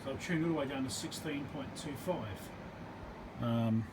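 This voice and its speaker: At an indoor repair bench, a medium-pitched man works through an electronics fix hands-on, talking himself through each step in a casual, halting way. Steady background hum and room noise run underneath.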